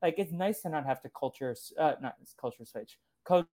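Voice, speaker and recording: A man's voice: on the high side, expressive, fairly quick, dark tone. A young man hosting a podcast interview, enthusiastic and chatty, filling with "like" and "uh", Portuguese his first language. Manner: enthusiastic, lots of fillers like "like" and "uh". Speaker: podcast host. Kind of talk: casual interview chat.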